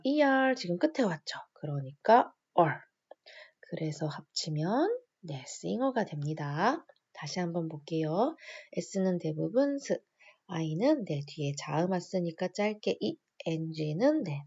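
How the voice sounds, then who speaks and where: Woman, phonics teacher, low gravelly voice with a husky edge, patient and repetitive, slightly dull lo-fi sound. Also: dark tone. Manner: patient, repeats each rule and asks the viewer small questions. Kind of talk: spelling out words step by step for adult learners.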